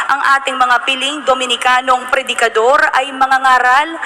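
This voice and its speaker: A woman's voice: high voice, noisy background. A woman with a Filipino accent hosting a religious broadcast, reading solemn scripted narration in a formal, reverent way. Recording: background music under the voice. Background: music.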